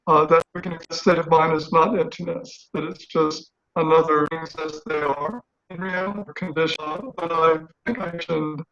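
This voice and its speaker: A man asking a halting question on a video call, his audio breaking up and wavering, with many pauses and restarts. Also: a little high, fairly even intonation, a bit bright, dull audio. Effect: glitchy call audio breaking up and wavering. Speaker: discussion group participant.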